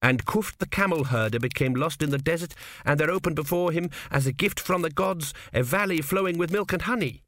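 A man's voice: fairly high pitch, big pitch swings, moderate pace, fairly bright tone, voice pushed up, heavily acted. A man voicing an earnest, naive young prince who sounds anxious and a little pleading in an audiobook. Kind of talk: audiobook character voice.

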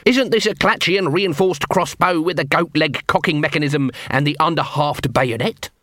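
A man's voice: fairly high pitch, normal speed, a bit bright, dry recording, studio quality, close to an everyday voice. A man voicing a scrawny, cocky watch corporal in a storybook, swaggering and snappy with mock-official menace. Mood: brash officious.

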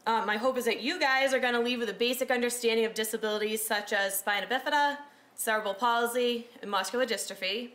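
A woman in her thirties giving a casual talk as a recreational therapist, loud-voiced and chatty with lots of fillers. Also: a little high, quick pace. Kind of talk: casual talk to a small audience. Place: room with a presentation screen.

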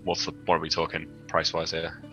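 A man's voice: extremely low pitch, completely flat delivery, quick pace, pushed and bright, lo-fi sound, faint music behind. A British man playing in a livestreamed tabletop game, chatting casually, swearing freely and stumbling over his words. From United Kingdom. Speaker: player.

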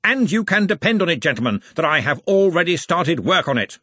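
A man's voice: fairly high pitch, big pitch swings, brisk, pushed and bright, slightly rough, no echo, pitched above the performer's own voice, exaggerated voice. A man voicing a commanding, grandiloquent head of a wizard university in an audiobook, speaking in pompous, emphatic sentences. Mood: vengeful resolve. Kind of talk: audiobook character voice.

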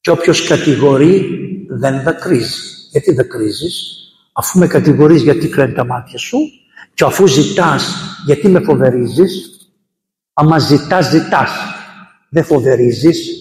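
A male priest giving a sermon, telling a saint's story as a lively storyteller with emphatic repetitions. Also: medium pitch, long pauses. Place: church. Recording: echoey church with long reverb.

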